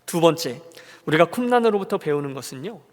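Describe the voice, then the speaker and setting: A man preaching a sermon as pastor, telling a story with feeling, acting out quoted prayers and hushing his voice for gentle replies. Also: on the high side, lively intonation. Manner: drops to hushed slow lines for quotes. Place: church sanctuary. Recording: long church-hall reverb.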